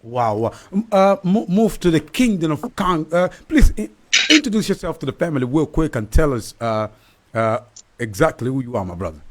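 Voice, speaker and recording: A man's voice: on the high side, sing-song, moderate pace, a little hiss or hum. A man hosting a live online talk show who rambles, restarts and fills with "uh". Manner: rambling with many fillers and restarts.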